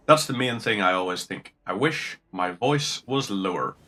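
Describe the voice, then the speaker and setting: Gamer guy chatting while he plays, slightly low voice but bright, swears a lot, rambly. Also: lively intonation, moderate pace. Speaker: gaming streamer. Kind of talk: casual commentary while playing.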